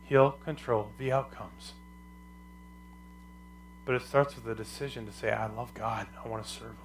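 A male pastor preaching a sermon with a loud, carrying voice and emphatic, repetitive phrasing. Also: medium pitch, steady tone, normal speed, a little hiss or hum, rough recording.

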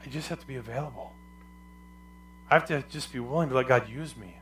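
A male pastor delivers a sermon in a loud, carrying, medium-pitched voice at a fairly quick pace. His phrasing is emphatic and repetitive, with slight background noise behind him.

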